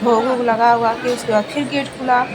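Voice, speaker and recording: A woman's voice: fairly high pitch, fairly even intonation, fairly quick, crowd noise, noisy background. A woman narrating a casual travel vlog about her family trip, chatty and rambling, often repeating herself.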